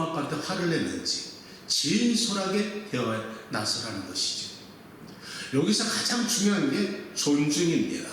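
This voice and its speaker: A middle-aged man preaches a sermon as pastor, earnest and unhurried, leaning on long pauses. His voice sits a little high for a man. It rings through a big hall with long reverb, and a faint hiss of noise runs underneath. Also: fairly bright tone. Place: large church hall, indoors.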